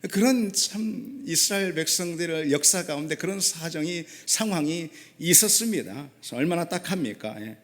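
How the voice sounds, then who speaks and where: A man's voice: a little high, expressive, moderate pace, few pauses, a bit bright. A man preaching an emphatic sermon, asking rhetorical questions and dropping short affirming asides. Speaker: pastor.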